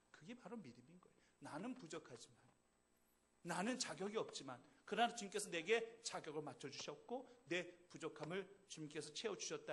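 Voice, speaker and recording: A male pastor preaching a sermon with a fairly high voice. His phrases rise and swell with emphasis. Now and then he teases the congregation in a playful way. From Seoul. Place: church service.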